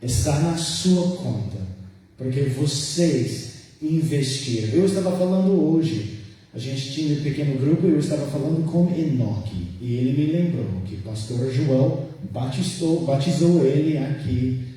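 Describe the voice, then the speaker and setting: A man with an American accent, a native English speaker, preaching a sermon and reading scripture in slow, careful, halting speech, recorded from far off in a church sanctuary. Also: mid-range voice, expressive, dark tone. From United States. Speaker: guest preacher. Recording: echoey church hall from far off.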